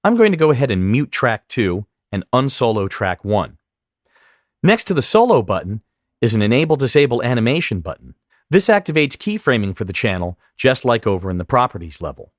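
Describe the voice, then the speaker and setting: A man giving step-by-step instructional narration as a software tutorial instructor, explaining clearly what he does on screen. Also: medium pitch, very animated, brisk, no room sound, clean studio sound.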